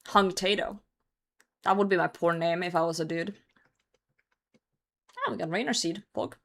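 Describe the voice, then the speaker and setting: A woman's voice: lowish voice, moderate pace, a bit bright. Hungover woman streaming a game, sweary. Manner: sweary, reacting to chat and game. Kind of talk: casual live stream chat with gameplay commentary.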